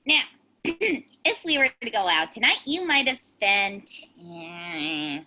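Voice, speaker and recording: A woman acting a pushy, stingy teenage girl who briskly tallies costs in a comedy table read. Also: mid-range voice, very animated, sharp tone, full character voice. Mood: bossy, calculating. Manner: brisk, demanding, itemizing costs. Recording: remote virtual table read call.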